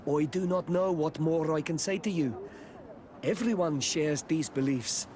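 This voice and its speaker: A guarded tribal man, played by an actor in a fantasy game, speaking slowly in terse, formal phrases. His voice sits a little high for a man, over clear ambient noise. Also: close to an everyday voice. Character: guarded, curt tribal village man, a gatherer. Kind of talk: video game dialogue.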